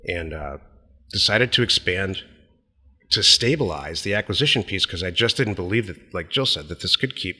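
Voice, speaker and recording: A man's voice: sits low, animated, normal speed, bright, forceful tone, breathy edge, long reverb tail. A middle-aged American man co-hosting a podcast, chatting casually about business in a blunt, plain-spoken way. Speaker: podcast co-host.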